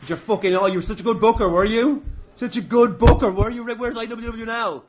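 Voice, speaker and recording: A man's voice: very high-pitched, steady tone, a little fast. Sweary Irish man bantering over noticeable noise. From Ireland. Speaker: podcast host and wrestler. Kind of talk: casual podcast chat. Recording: clearly noisy background with clicks.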